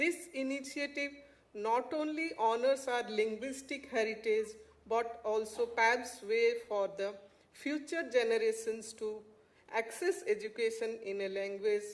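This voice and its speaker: With an Odisha accent, a woman talks at a fairly slow pace with ordinary pitch variation. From Odisha, India. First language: Odia. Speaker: MBA programme coordinator, academic. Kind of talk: formal ceremonial speech. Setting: launch ceremony event. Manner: formal.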